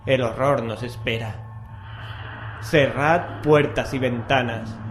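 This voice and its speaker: A roomy, echoing recording with music underneath carries a man's voice of middling pitch. He has a Castilian Spanish accent and narrates horror with ominous, theatrical weight, like a radio host reading a dramatic script. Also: steady tone, slow pace. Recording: roomy echo, music bed.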